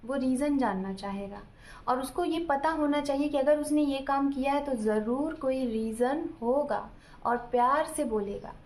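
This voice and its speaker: A woman's voice: high voice, measured pace, darkish tone. A woman tarot reader giving casual relationship advice, talking straight to her viewers and explaining with everyday examples. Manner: explains with everyday examples, often checks in with "ठीक है"; addresses viewers directly.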